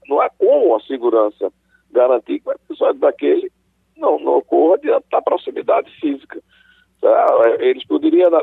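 A man with a Brazilian accent commenting as an interview guest over a phone line, halting and emphatically repeating himself. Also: on the high side, vocal fry, husky. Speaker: electoral lawyer, interview guest. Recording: tinny, muffled phone line.

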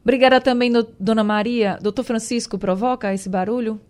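A woman's voice: a little high, fairly even intonation, a little fast, darkish tone. A woman from hosting a radio health show, enthusiastic and effusive as she asks questions and introduces listeners' messages. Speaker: radio host.

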